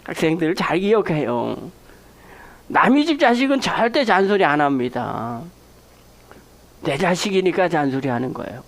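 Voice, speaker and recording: A man's voice: a little high, normal speed. A middle-aged man preaching a Sunday sermon as pastor, telling stories with acted-out dialogue and asking the congregation for amens. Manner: animated storytelling, acts out quoted dialogue; addresses congregation directly, asks for amens.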